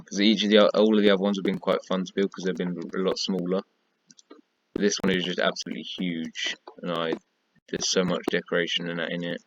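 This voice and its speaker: Heard through a muffled recording with slight background noise, a man with a low voice casually walks through a block-building tutorial as he builds. He's a gaming tutorial creator, tired and losing his voice, who counts and points things out over and over.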